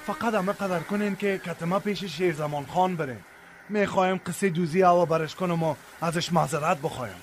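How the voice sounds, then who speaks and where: A male actor as a scheming villager in a radio play, speaking in a high voice. He is conspiratorial, persuasive and insistent, with faint noise in the background. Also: lightly acted. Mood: secretive. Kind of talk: radio drama dialogue.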